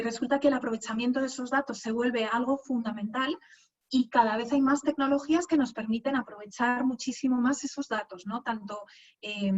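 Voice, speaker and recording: A woman from Madrid speaks with a Spanish accent in a somewhat high voice. She talks in a loose, conversational way full of fillers and restarts, heard through muffled, lo-fi video-call audio. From Spain. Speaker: guest speaker. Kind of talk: webinar talk.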